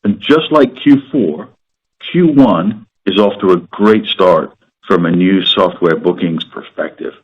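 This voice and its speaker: A man speaking as a company executive on an earnings call, croaky from a sore throat, measured and businesslike with the odd filler. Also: sits low. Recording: muffled conference-call audio.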